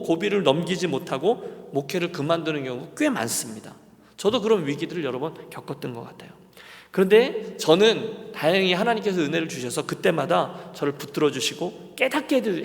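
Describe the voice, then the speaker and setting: A man's voice: high-pitched, gravelly. A middle-aged man preaching a sermon as senior pastor, earnestly addressing his congregation in a church sanctuary. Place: church sanctuary at a Friday service. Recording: long church hall reverb.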